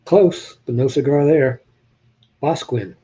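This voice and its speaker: An older man from New Hampshire with a slight Southern drawl chats with his live-stream viewers and jokes with them. His voice is dark and a little husky. The sound is dull and slightly lo-fi. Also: medium pitch, unhurried. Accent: Southern US with New England traces. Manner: chatty, joking, talks to viewers in chat. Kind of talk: casual live-stream chat showing old photos.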